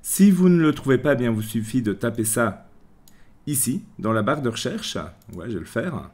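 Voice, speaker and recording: A man from France hosting a screen-recorded software tutorial, chatty, with many restarts, walking through each click. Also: mid-range voice, big pitch swings, normal speed. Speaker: tutorial host.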